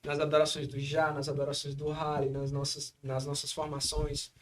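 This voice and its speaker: A man with a Brazilian accent from Espírito Santo, hosting a podcast in casual, animated chat full of slang fillers. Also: a little high, normal speed. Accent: Espírito Santo Brazilian Portuguese. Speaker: podcast host.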